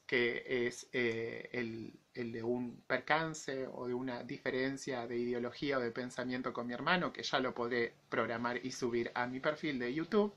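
This opinion monologue comes from a YouTube vlogger in his forties who speaks with an Argentine accent, facing the camera. His medium-pitched voice is bright and forceful, altered by an infection he's recovering from, and the sound is lo-fi.

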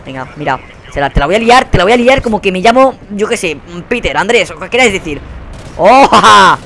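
A young man with a Spain Spanish accent giving live gameplay commentary. He rants in a profane, exasperated way and often bursts into yelling. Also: high-pitched, animated, quick pace, a little hiss or hum. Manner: profane, exasperated ranting with sudden yelled outbursts. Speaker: gaming channel host.

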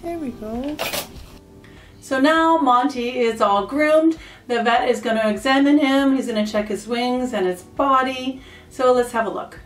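A woman's voice: high voice, moderate pace, roomy sound, recorded from a distance, faint music behind. A middle-aged woman, a pet vlogger explaining things in a casual, chatty way.

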